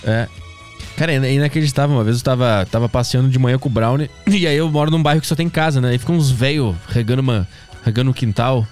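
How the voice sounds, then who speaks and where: Um homem brasileiro do sul, gripado, conversando num podcast com piadas e palavrões. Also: male voice, medium pitch, darkish tone, clear, resonant tone, soft background music. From southern Brazil. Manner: quick, joking banter with curse words. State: has a cold. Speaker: podcast co-host. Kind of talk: casual chat.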